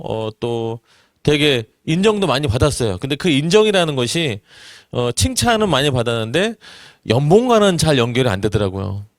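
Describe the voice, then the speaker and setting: Earnest forties male presenter, animated delivery, dry recording. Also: a little high, no room sound. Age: 40s. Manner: earnest, rhetorical questions, many "eo" fillers. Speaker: network marketing business presenter. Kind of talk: seminar talk to an audience.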